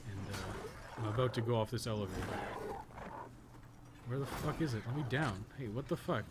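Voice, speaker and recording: A man's voice: mid-range voice, normal speed. A man chatting casually on a live game stream, rambling and wry, with loose, profane phrasing. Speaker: live streamer, podcast co-host. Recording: game audio noise behind voice.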